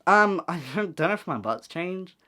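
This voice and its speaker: A man's voice: high-pitched, big pitch swings, moderate pace, sharp tone. A young trans man giving a chatty, rambling update vlog to his viewers, joking at his own expense. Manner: chatty, rambling, self-deprecating. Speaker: vlogger.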